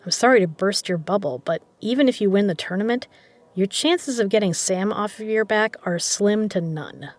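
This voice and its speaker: Casting: actress for a shrewd underground casino boss and poker legend, medium-pitched, measured and persuasive, for an audio drama. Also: female voice, darkish tone, close to an everyday voice. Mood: frank. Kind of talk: scripted audio drama dialogue.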